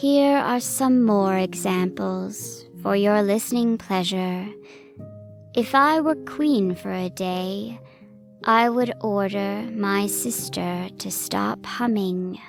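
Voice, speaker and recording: A female-sounding, put-on character voice at a very slow pace over clear background music. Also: medium pitch for a woman. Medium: read story. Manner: earnest, pedantic.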